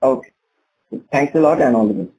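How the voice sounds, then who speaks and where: A man's voice: mid-range voice, lively intonation, a little fast, dark tone, muffled recording. A man asking questions as an analyst on an earnings conference call.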